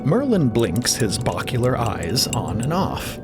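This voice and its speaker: A man's voice: mid-range voice, big pitch swings, measured pace, music in the background. A man narrating scripted audio fiction in a dramatic storytelling style.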